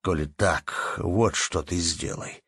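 Guy doing a chunky fired-up peasant, lowish, slow and firm. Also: a bit bright, breathy edge, no echo, studio quality, exaggerated voice. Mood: heated. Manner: firm, rustic speech. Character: stout middle-aged peasant man, fiery.

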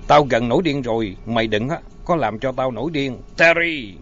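A man voicing a big, furious male priest who growls slow, measured threats. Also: medium pitch, fairly bright tone, a little hiss or hum, natural voice. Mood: menacing. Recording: dull lo-fi audio, faint music.

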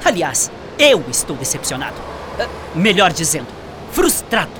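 A man's voice: a little high, very animated, normal speed, noisy background. An actor in a radio drama playing an arrogant young male shop clerk who taunts and laughs mockingly. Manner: sneering, laughs often, taunting.

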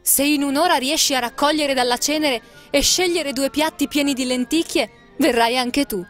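A woman's voice: high-pitched, moderate pace, a bit bright, soft background music, voice pushed up. A woman reading a fairy tale aloud and voicing a haughty stepmother, speaking in a cold, dismissive way. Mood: scornful. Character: stern haughty stepmother, middle-aged woman.

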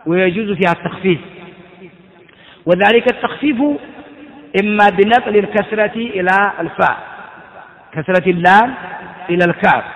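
A man's voice: high voice, a bit bright, highs cut off. A man teaching Arabic grammar to a class, explaining step by step and quizzing his students with questions. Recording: hall with long reverb.

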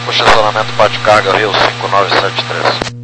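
A man's voice: fairly low pitch, steady tone, fairly quick, loud music behind the voice. A male airline pilot making terse procedural calls in clipped aviation phraseology, over a walkie-talkie style radio. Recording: noisy aviation radio transmission with hum.

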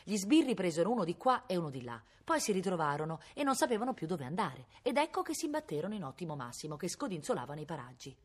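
Expressive woman reading a novel aloud. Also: on the low side, fast talker, hardly any pauses, slightly rough. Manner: expressive, dramatic storytelling. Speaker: reader. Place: public library.

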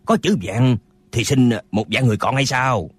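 A man performs a stubborn old martial eccentric who squabbles and nitpicks over words, his delivery swinging up and down with a slightly husky edge in a dry, close sound. He argues as if every point were life or death. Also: mid-range voice, animated, moderate pace, no echo. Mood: stubborn, quibbling. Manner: bickering, stubbornly arguing word meanings. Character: quarrelsome old male martial eccentric, pedantic.

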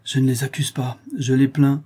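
A man reading an audiobook aloud, voicing a shy, gentle young woman who speaks hesitantly. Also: medium pitch, little pitch movement, normal speed, breathy edge, close to an everyday voice. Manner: timid, hesitant, soft.

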